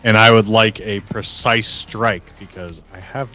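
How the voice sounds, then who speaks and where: A man's voice: lowish voice, fairly even intonation, measured pace, bright, forceful tone, faint music behind. A man playing a tabletop game on a podcast, talking casually through rules and dice rolls.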